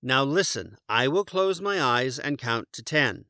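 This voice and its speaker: Man doing a bossy, forceful grumpy bear. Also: mid-range voice, lively intonation, unhurried, no echo, clean studio sound. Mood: bossy explaining. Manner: exasperated, emphatic, growly bluster. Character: bossy, short-tempered male cartoon bear.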